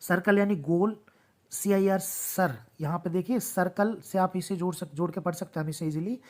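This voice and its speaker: Woman teacher going over again and again, slightly low voice, terms. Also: normal speed, a little mellow. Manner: repeats each word and its meaning, patient. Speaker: vocabulary teacher. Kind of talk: explanatory lesson with repetition.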